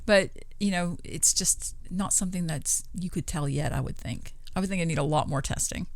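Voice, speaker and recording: A woman co-hosting a podcast, talking casually and informally in an agreeable, measured way. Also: fairly low pitch, no room sound. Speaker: podcast co-host. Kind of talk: casual conversational storytelling.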